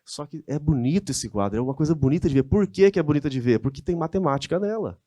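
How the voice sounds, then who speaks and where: A man's voice: on the high side, lively intonation, fast talker, mellow, no room sound. A man with a Brazilian Portuguese accent giving a conversational lecture, often asking his audience rhetorical questions. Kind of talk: church-hosted lecture with slides.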